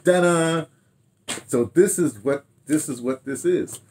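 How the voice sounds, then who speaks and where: A man in his 60s or 70s speaks slowly in a slightly high, darkish voice, with a little hiss or hum on the recording. A radio drama director and producer, he reminisces casually to camera from a furnished room at home, rambling and repeating himself half under his breath.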